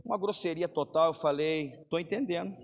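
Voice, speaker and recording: A man's voice: on the high side, normal speed. A man with a Brazilian accent preaching a sermon as a pastor. He calls his listeners "brother" and builds up long lists of phrases for emphasis. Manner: preaches to the congregation, calling them brother. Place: church hall. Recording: long hall reverb.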